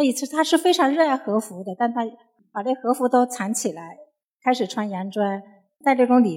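A woman with a Hunan accent speaks at a moderate pace, her fairly high pitch carried by lively intonation. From Changsha, Hunan, China. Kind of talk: book talk at live event. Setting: bookstore event with audience.

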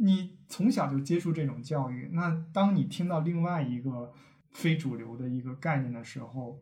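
This man's voice sits fairly high in pitch. He talks at a moderate pace with ordinary pitch variation. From Beijing, raised abroad from age 12. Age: 30s. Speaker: early retiree. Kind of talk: interview conversation.

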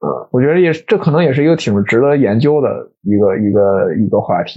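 Lively intonation and a moderate pace from a man with a plain, everyday voice. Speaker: podcast host. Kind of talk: casual interview chat.

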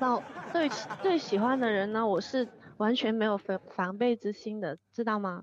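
A woman's fairly high-pitched voice with a Cantonese accent. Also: ordinary pitch variation, moderate pace. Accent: Cantonese-accented Mandarin, noticeable. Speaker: caller, sales worker. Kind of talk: casual chat. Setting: live-stream call-in.

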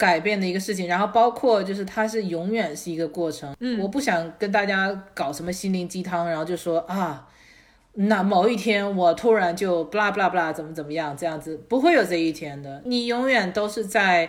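At a moderate pace, a woman with a slight northeastern Chinese accent speaks in a medium pitch with ordinary variation. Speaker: podcast guest. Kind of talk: casual chat.

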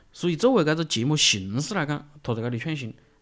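Music behind a man talking at a fairly quick pace with ordinary pitch variation. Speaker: returning guest, friend of host. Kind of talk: casual chat.

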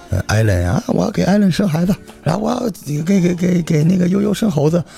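A man's pitch swings very widely as he talks fairly quickly, with noticeable noise behind him. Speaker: podcast co-host. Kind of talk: casual chat.

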